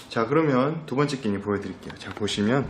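A man speaking at a moderate pace with ordinary pitch variation, audible room echo and light background noise. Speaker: fitness vlogger. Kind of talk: casual vlog chat. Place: home room. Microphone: webcam.

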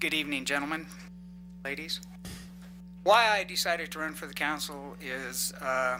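A man with a western US accent, a fairly high pitch, vocal fry and a bright, sharp tone, at a moderate pace with long, frequent pauses and big swings in loudness. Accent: western American. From Wyoming, Riverton. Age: 60s. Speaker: council seat candidate. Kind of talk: interview answer.

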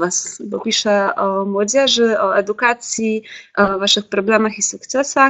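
A woman talks at a moderate pace against a quiet background. Her pitch varies in an ordinary way. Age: 20s. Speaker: journalist. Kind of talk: webinar lecture. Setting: video call from home. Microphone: webcam.

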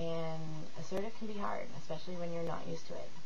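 A woman's voice comes through noticeable background noise. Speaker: eating disorder recovery vlogger. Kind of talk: casual talk to camera. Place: home room. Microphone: webcam.

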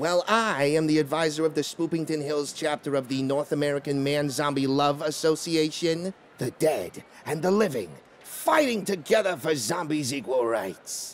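A man puts on a character voice, fairly high-pitched, delivered at a moderate pace. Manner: pompous, sarcastic, blustering.

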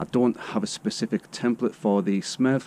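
A man is speaking. His tone is dark and mellow. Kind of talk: tutorial. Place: garage. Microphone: helmet.

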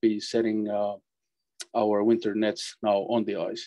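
In a Finnish accent, a man talks at a fairly slow pace with a dark, mellow tone and a dry sound with no echo. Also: quiet background. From Finland. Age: 40s. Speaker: Arctic scholar and fisherman; speaker. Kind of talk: panel talk. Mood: earnest, calm. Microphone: earbuds.

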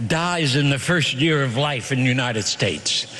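This voice belongs to a man. He talks in a raised, projected voice. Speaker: preacher. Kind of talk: sermon-style eulogy. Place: church. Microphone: podium.

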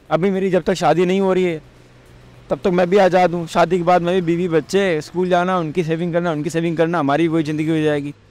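A high-pitched man at a moderate pace, monotone and flat, with hardly any pauses, in a dry sound with no echo. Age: 20s. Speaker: YouTuber and fantasy cricket player; YouTuber. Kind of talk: casual interview. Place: street.

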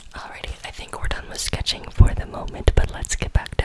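A soft-spoken woman whispers. Loud background noise fills the recording. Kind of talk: soft-spoken ASMR role-play. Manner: soft close-mic whisper. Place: home room. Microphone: studio mic.

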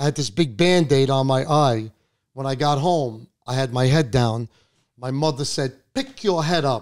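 A man with a Brooklyn accent speaks fairly slowly against a quiet background. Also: medium pitch for a man, ordinary pitch variation. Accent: Brooklyn New York. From New York. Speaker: talk show host. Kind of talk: casual chat. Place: office. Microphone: handheld.

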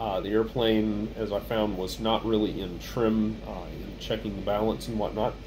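A man speaks over noticeable background noise. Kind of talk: casual show-and-tell explanation. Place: home room. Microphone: camera far.

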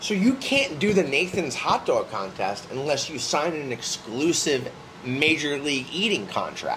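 The speaker has an American accent, and the pitch swings very widely. Light background noise is present. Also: man. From New Jersey, Bergen County; New Jersey. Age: 30s. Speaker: comedian and show producer; comedian. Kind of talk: casual chat. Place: home room. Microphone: camera far.

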